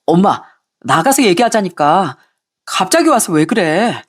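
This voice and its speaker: A woman's voice: on the low side, sing-song, a little slow, husky, exaggerated voice. A woman voicing a flustered, cheating husband who pleads and dodges.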